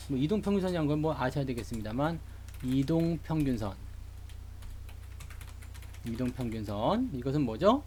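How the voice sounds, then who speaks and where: A man from Seoul, a stock market streamer, gives a chatty, joking live lecture on stock charts to online viewers and greets people in the live chat. His voice is medium-pitched and a little mellow.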